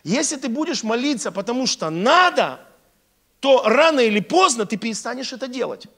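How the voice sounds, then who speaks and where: Casting: middle-aged male pastor, high-pitched voice, animated conversational sermon, repeats key lines, throws questions at listeners, acts out dialogue. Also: a little fast. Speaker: pastor preaching. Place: church stage indoors. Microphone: handheld microphone.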